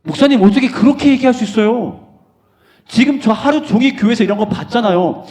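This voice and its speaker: A man voicing a tired young male churchgoer who loudly protests that he is hurt. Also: very high voice, lively intonation, a little fast, pitched above the performer's own voice. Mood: indignant.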